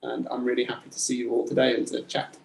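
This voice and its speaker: Man, gravelly, flat delivery, halting, lots of ums, echoey video call. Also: mid-range voice. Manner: self-deprecating, halting, with many ums. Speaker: company director and researcher. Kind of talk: self-introduction on a video call.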